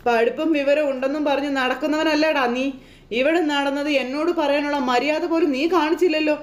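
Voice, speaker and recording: A woman's voice: high-pitched, fairly even intonation, lightly acted. A woman voicing a scolding, tearful old grandmother. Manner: scolding, reproachful, drawn-out. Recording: roomy echo.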